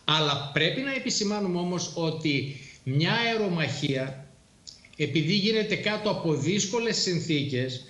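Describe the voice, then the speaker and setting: A middle-aged man, a former air force pilot, explaining things in a measured way with frequent hesitations on a studio talk show. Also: fairly high pitch, lively intonation, fairly bright tone, roomy sound.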